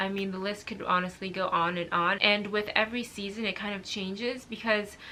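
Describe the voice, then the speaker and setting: A woman speaks in an American accent with a bright, sharp tone at medium pitch. Her intonation is monotone and flat, her pace moderate. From California. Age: 20s. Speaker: fashion blogger. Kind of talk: casual Q&A vlog.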